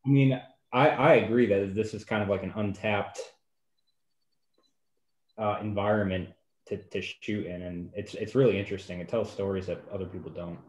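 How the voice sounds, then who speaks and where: A man's voice: lowish voice, fairly even intonation, moderate pace, a little mellow. A man chatting casually on a group call, hesitantly searching for his words. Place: echoey room, on a group call. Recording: echoey, dull call audio.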